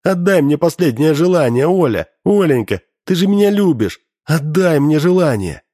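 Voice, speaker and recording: A man's voice: a little high, lively intonation, normal speed, mellow, no echo, studio quality, pitched above the performer's own voice. A man voicing a tearful, desperate young pregnant woman who wails and pleads. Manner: wailing, pleading.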